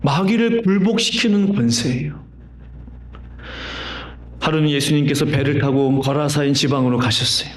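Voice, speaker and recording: Male pastor, sermon, conversational and questioning, slightly raised pitch, reverberant sanctuary. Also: moderate pace, pauses often. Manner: conversational storytelling with rhetorical questions. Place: church sanctuary. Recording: roomy church reverb.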